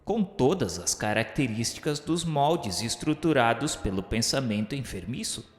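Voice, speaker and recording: Radio drama narrator played by a man: solemn Brazilian disciple, mid-pitched, literary delivery, heavy echo around the voice. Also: animated, normal speed, soft background music, close to an everyday voice. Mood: solemn, edified. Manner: formal, solemn, literary diction. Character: reverent male disciple narrating a spiritual tale. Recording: echoey hall reverb.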